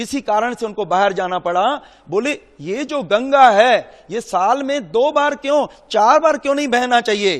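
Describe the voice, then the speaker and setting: Over a quiet background, a man talks with lively intonation and an extremely high pitch. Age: 60s. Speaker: health seminar speaker. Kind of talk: health seminar talk. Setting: stage with audience.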